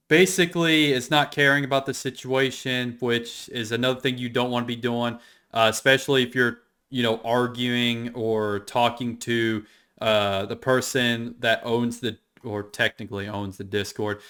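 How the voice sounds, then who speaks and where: A man with a smooth, mid-range voice that's a bit bright gives casual, unscripted commentary as an online drama explainer. Going through screenshots, he rambles and repeats his points, sounding opinionated.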